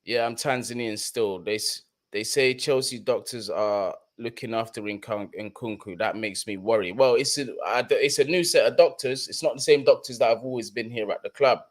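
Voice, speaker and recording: A man's voice: medium pitch, moderate pace, few pauses. A young man from London with a London accent, hosting a live football stream in slangy, chatty talk and often repeating his points. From London, England. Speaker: football channel host. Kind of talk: casual live-stream chat.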